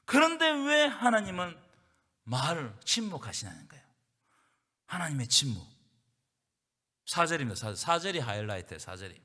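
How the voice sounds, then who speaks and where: A male pastor leads a Bible study in a church hall, preaching with rhetorical questions and calling on the congregation to read along. His voice is a little high and sing-song, pushed and bright, at a moderate pace with long pauses. The recording carries the reverb of the hall.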